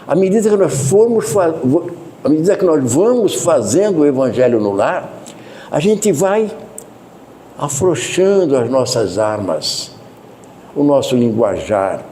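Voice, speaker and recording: A Brazilian man giving a devotional talk at a spiritist center. He speaks in a loud voice that never softens and chats with the audience through asides and questions. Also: big pitch swings, measured pace, a little hiss or hum. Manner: loud, unchanging speaking voice that he cannot lower; conversational, addresses listeners with asides and questions. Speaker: spiritist lecturer. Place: spiritist center meeting hall.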